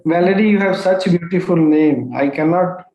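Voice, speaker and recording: A man as spiritual teacher, gently guiding a group meditation over a video call. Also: high-pitched, reverberant, muffled recording. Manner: gentle, unhurried and encouraging. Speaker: spiritual teacher leading a session.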